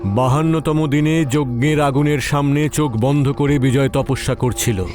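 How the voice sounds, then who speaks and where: A man's voice: mid-range voice, steady tone, moderate pace, over music. A man narrating a scripted horror story in a dramatic storytelling style.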